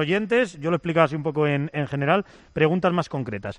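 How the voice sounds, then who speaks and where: A man's fairly high voice at a very fast pace, lively in intonation, dry and close with no echo over a quiet background. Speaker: sports podcast host. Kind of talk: interview. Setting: training gym.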